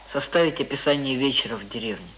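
An actor in a radio drama playing a dutiful schoolboy who speaks in a plain, artless, recitation-like manner. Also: male voice, medium pitch, quick pace, sharp tone, slight background noise, natural voice, poor audio. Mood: plain, reluctant. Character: village-staying city schoolboy, dutiful, plain-spoken.

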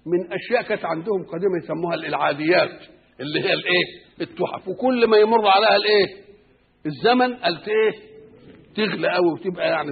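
Man, Egyptian accent, religious lesson, fast talker, gravelly, slightly high voice, lo-fi tinny sound. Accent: Egyptian Arabic. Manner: asks rhetorical questions and answers them himself. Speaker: religious scholar. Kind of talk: Quran exegesis lesson. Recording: tinny phone-like lo-fi recording.

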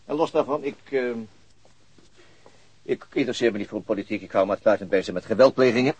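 An actor playing a reserved, polite police chief inspector in a naturalistic radio drama, speaking in a laconic, formal and hesitant way. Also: male voice, fairly low pitch, fast talker, darkish tone, breathy edge, no room sound, poor audio. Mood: formal, measured.

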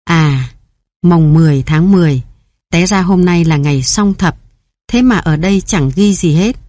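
A woman's voice: lowish voice, moderate pace, warm tone, dry recording, natural voice. A woman voicing a grown man who remarks dryly, with mild complaint, in a storybook reading. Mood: grumbling. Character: grumbling adult man, first-person narrator.

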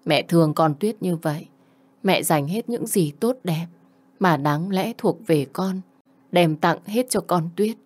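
A woman's voice: lowish voice, unhurried, a little mellow. Woman voicing a tearful, remorseful mother. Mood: choked remorse. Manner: choked, pleading. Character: remorseful tearful middle-aged mother begging forgiveness.

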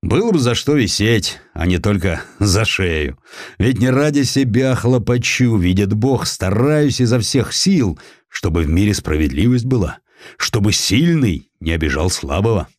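A man's voice: fairly low pitch, lively intonation, a little slow, a little mellow, dry recording, studio quality. A man voicing a bold, free-spirited Cossack adventurer with blunt, folksy speech in an audiobook. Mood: earnest, boastful. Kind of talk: audiobook character acting.

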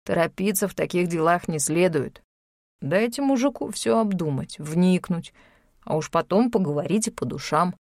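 A woman doing a slow, gruff, deadpan man. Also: no room sound, clean studio sound. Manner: slow, deliberate, lowered voice.

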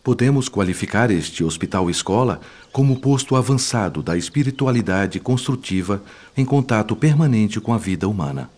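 A man's voice: fairly low pitch, expressive, moderate pace, few pauses, darkish tone. A male actor with a Brazilian accent playing a wise, compassionate spirit instructor in a radio drama, speaking in a didactic, formal, eloquent manner. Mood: patient, explanatory.

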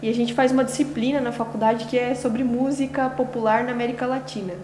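A young woman student leads an interview in a halting way, leaning on fillers as she searches for her words. Her voice sits a little above average in pitch. She is recorded in an echoey room with faint noise behind her. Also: fairly even intonation, warm tone. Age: young adult. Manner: hesitant, many fillers and restarts. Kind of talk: casual interview questions.

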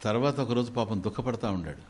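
A man giving a spiritual discourse, telling a story with lively shifts of pitch and dropping in English words. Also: fast. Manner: animated storytelling, voices quoted characters with big pitch swings; mixes English words into speech. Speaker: spiritual teacher.

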